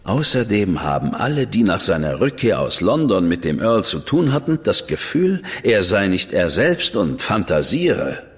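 An actor playing a reserved, measured investigator in a radio drama. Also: male voice, lowish voice, very animated. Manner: measured, dry, withholding. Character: cool, reserved male investigator, brother of a famous detective. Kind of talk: German radio drama acting. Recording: long reverb with music behind.

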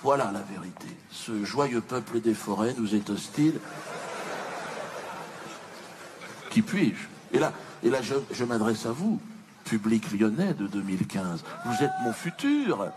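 A man's voice: fairly low pitch, sing-song, normal speed. A man performing punchy stand-up as a pompous, self-pitying slave owner from the colonial past, theatrical, indignant and mock-dignified. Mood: aggrieved, pompous. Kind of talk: punchy stand-up comedy character monologue. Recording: noisy live theatre stage recording.

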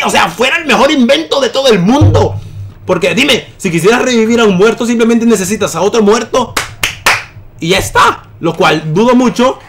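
A young man giving gameplay commentary, excitable and shouting at enemies in bursts. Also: high-pitched. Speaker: gaming YouTuber.

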